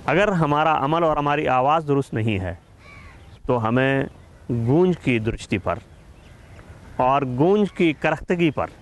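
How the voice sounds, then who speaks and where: A man telling a moral story and then explaining its lesson in a measured, explanatory way, addressing listeners as friends. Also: mid-range voice, expressive.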